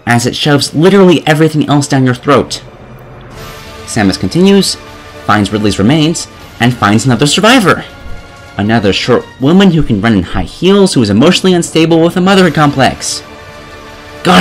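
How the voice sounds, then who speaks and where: A man reading scripted video game review commentary in a sarcastic, exasperated manner. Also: medium pitch. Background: music.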